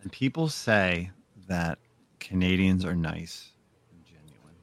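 A man hosting a comic book podcast, telling a story in a casual, animated way. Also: deep voice, slow pace, a little hiss or hum. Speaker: podcast host. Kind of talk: casual chat.

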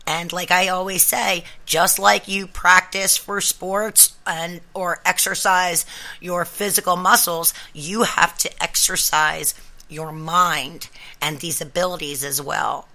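Slow-paced woman podcaster with a bright voice. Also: on the low side, fairly even intonation. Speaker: podcast host. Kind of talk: casual podcast talk addressed to listeners.

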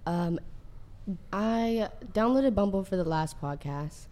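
A woman in her early twenties, a podcast guest, answering quietly and unhurriedly. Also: mid-range voice, expressive, slow. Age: early 20s.

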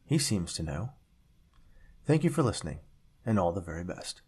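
A man narrating scripted stories as a podcast host, with a measured, dramatic delivery and deliberate pauses. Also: sits low, sing-song, a little mellow, husky.

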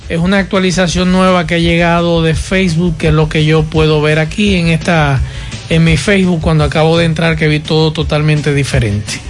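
A man's voice: on the high side, level tone, brisk, soft background music. A Dominican man co-hosting a radio show, reading news and chatting in the studio.

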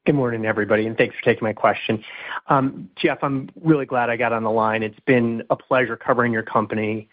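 A man's voice: mid-range voice, fairly even intonation, quick pace. A man speaking as a financial analyst, putting questions to company management on an earnings call. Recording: thin, narrow phone line.

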